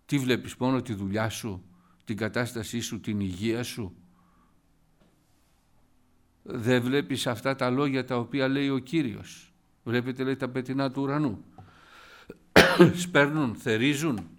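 A man's voice: mid-range voice, steady tone, long pauses, fairly bright tone. A man preaching an informal sermon, retelling scripture stories with many asides and the odd cough, addressing his listeners as brothers.

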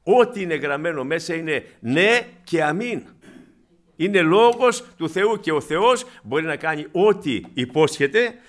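A man preaching a sermon to his congregation, animated, swinging between loud exclamations and hushed asides, calling them dear brothers. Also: a little high. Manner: acts out quoted scripture and people in his own voice.

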